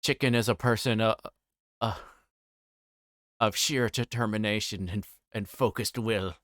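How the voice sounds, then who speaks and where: A man livestreaming, reading a visual novel aloud and chatting casually to viewers with halting, rambling asides. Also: lowish voice, fairly even intonation, fairly bright tone, no room sound, clean studio sound.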